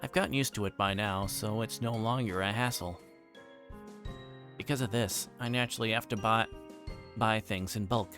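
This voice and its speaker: Low-voiced man reading a story aloud. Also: moderate pace, pauses often, fairly bright tone, soft background music. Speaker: livestreamer reading a visual novel aloud. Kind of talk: livestream read-aloud narration with casual asides.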